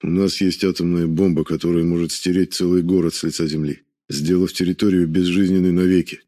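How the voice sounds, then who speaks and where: A man's voice: deep voice, flat delivery, a little fast, dark tone, lightly acted. A man voicing an inquisitive foreign army major who questions his prisoner closely. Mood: curious. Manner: probing, questioning.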